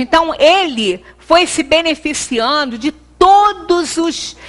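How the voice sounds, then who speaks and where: A middle-aged woman with a Brazilian Portuguese accent gives an earnest devotional talk in a meeting room, pausing and restarting often, picked up by a far camera. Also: high voice, a bit bright. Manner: earnest, gesturing, many pauses and restarts. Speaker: lecturer at a spiritist center.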